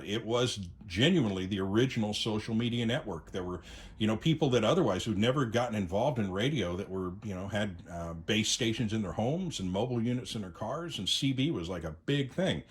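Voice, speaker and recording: A middle-aged American man giving an unscripted, conversational opinion monologue to viewers, with hesitant phrasing and frequent pauses. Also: on the low side. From United States. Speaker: YouTube host, amateur radio enthusiast.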